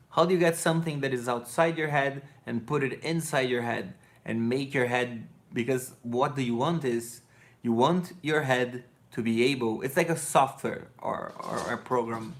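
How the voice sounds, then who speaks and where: A man in his thirties with a Brazilian accent, sleepy and rambling loosely as he answers chat on a live stream from his living room. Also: mid-range voice. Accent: Brazilian Portuguese. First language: Portuguese. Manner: loose, digressive, self-correcting, blunt. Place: living room with couch and colored lights.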